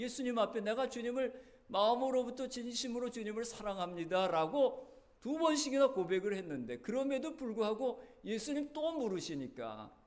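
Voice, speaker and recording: Male pastor, high-pitched, earnest sermon storyteller. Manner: earnest storytelling preacher, voice rising and dropping. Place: church sanctuary.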